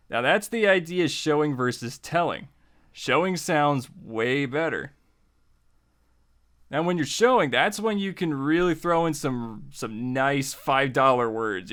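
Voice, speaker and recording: A man's voice: fairly high pitch, a bit bright. An American man giving a casual tutorial, speaking in a jokey, conversational way straight to the listener. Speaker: host of a writing tutorial series.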